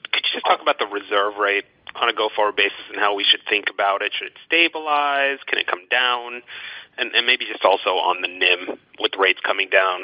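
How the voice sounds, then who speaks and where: A low-pitched man asks questions in the role of an analyst on a conference call. His line is somewhat dull and lo-fi. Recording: muffled phone conference line.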